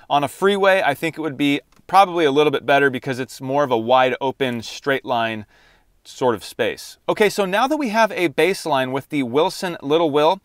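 A man's voice: fairly high pitch, fairly bright tone, clean tone, no echo, clean studio sound. A man in his forties hosting a casual product-test vlog, talking to camera on a lapel mic. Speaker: host. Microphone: lavalier clipped to shirt.

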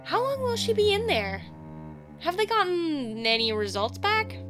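Young woman friend played by an actress, high pitch, casual, friendly, audio drama, music behind. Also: very animated, a little slow, full character voice. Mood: sympathetic. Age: young adult. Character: supportive, chatty young woman college friend.

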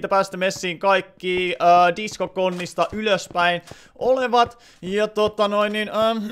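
Smooth-voiced man streaming a game. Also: sits high, a bit bright. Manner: rambling, many filler words. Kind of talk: live gameplay stream, chatting with viewers.

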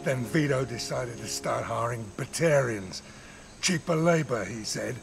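An actor playing a bitter, ruthless older male mercenary in a video game, gruff and profane with a gravelly voice. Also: medium pitch, measured pace. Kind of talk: cinematic video game acting. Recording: dramatic music behind the voice.

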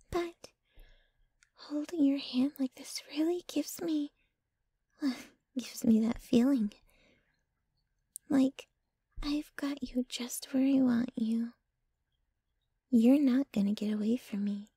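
A woman playing a possessive, jealous young girlfriend in an intimate ASMR roleplay, sweetly menacing, with a breathy voice that often drops to a whisper and a cooing, clinging manner. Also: on the high side, warm tone, no room sound, clean studio sound, exaggerated voice. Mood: possessive, tender. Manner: slow, cooing, clinging to the listener.

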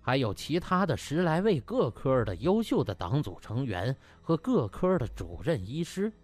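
A man's voice: medium pitch, sing-song, moderate pace, no room sound, faint music behind. A man narrating a comic audiobook in a colloquial, theatrical and mocking storytelling manner.

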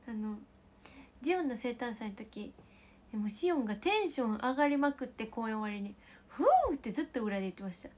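A woman with a Kansai accent chatting casually with livestream viewers as the host, giggling often and slipping into soft whispered asides. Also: on the high side, expressive, fast talker. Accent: Kansai Japanese.

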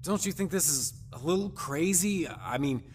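A man's voice: fairly high pitch, animated, moderate pace, a little hiss or hum, natural voice. A man playing a glib, joking rebel gunslinger hero in a fan-made sci-fi audio drama. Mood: cocky, wry.

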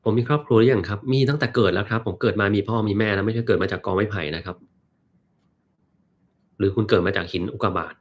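Man, live-stream host, casual, joking, slightly low voice. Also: fast talker. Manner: relaxed, joking, reads viewer questions aloud. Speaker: host answering live chat.

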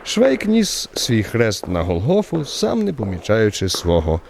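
A man narrating a literary radio drama as the wry author's voice, in an expressive, theatrical way. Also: on the low side, unhurried, gravelly, background noise, heavily acted.

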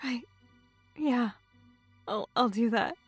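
A woman's voice: on the high side, slow pace, breathy edge, soft background music, exaggerated voice. An actress playing an anxious, earnest young woman in an audio drama.

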